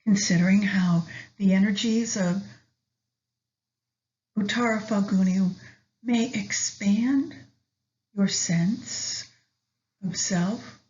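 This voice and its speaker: A woman guides a meditation at a very slow pace, leaving long pauses between her soft phrases. Her delivery is soothing, and the recording is a little dull and lo-fi. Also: mid-range voice.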